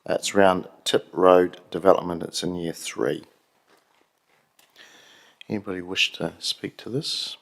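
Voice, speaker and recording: A man with a New Zealand accent, the mayor, chairing a council meeting in a brisk procedural way with dry asides. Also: low-pitched, steady tone, vocal fry. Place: council chamber.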